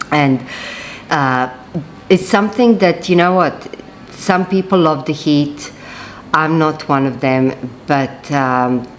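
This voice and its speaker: A woman's voice: very deep voice, slight background noise. A woman in her forties from Serbia, chatting casually in a rambling vlog with lots of fillers and restarts. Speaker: vlogger.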